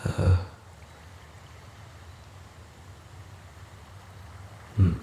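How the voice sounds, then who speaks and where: A man playing a gentle, puzzled forest demon in an audio roleplay, speaking haltingly and formally in a breathy, gravelly half-whisper. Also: a little hiss or hum, natural voice. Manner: halting, formal, literal-minded speech. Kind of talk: audio roleplay, slow character acting.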